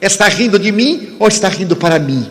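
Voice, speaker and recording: A man's voice: high-pitched, lively intonation, fairly quick, in a large hall, voice pushed up. A man putting on a pushy, incredulous stranger. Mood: indignant. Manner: challenging, incredulous questions. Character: brusque male stranger at airport.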